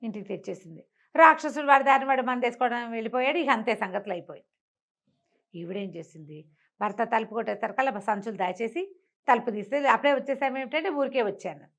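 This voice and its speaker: A woman's voice: fairly high pitch, expressive, fast talker, a bit bright. A woman storyteller telling a moral tale conversationally, repeating phrases and asking rhetorical questions.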